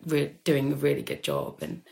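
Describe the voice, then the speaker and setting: A woman chatting informally as a podcast guest, softening her points with loose, hedging phrases. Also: a bass voice, sing-song, normal speed, creaky. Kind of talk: casual chat. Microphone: remote video call.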